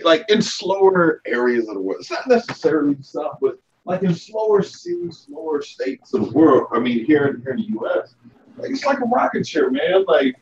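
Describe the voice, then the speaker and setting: A man in casual voice chat, rambling loosely and swearing, his voice sounding like it comes through a pipe. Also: on the high side. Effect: sounds like talking through a pipe. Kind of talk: casual voice chat among friends. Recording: muffled, distant lo-fi voice chat with faint noise.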